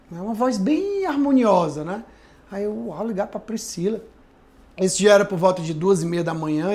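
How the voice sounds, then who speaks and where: In a podcast chat, a pastor sincerely relates the story of his life, thinking it over aloud and often adding tag questions. His voice is high-pitched and a little mellow.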